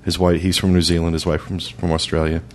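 A male podcast host with a very low voice, talking in an easygoing, chatty way. He restarts his sentences now and then as he reads out voicemails. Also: fast talker, a little hiss or hum. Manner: relaxed, chatty, stumbling restarts. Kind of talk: casual podcast chat.

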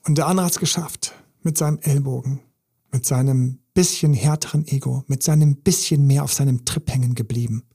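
A man's voice: mid-range voice, fairly even intonation, fairly quick, dark tone, breathy edge. A man, a relationship coach giving an emphatic, intense podcast monologue full of repetition.

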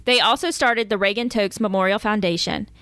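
A woman's voice: medium pitch, brisk, a bit bright, clean tone, no room sound. A woman co-hosting a true-crime podcast, reading out case details and chatting casually. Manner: reads case notes, breaks into laughter. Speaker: podcast co-host.

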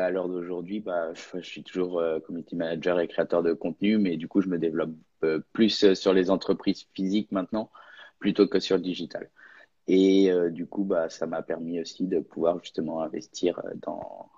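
A man's voice: deep voice, fairly even intonation, moderate pace, mellow. A young man, a guest content creator, talking casually and hesitantly on a live stream. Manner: hesitant, lots of fillers and restarts, laughs easily. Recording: lo-fi online audio.

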